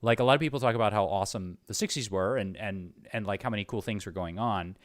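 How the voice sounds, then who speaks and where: A man's voice: fairly low pitch, fast talker, dry recording, clean studio sound. A man in his late forties hosting a casual interview, rambling through his questions with frequent asides. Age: late 40s. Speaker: interviewer, host.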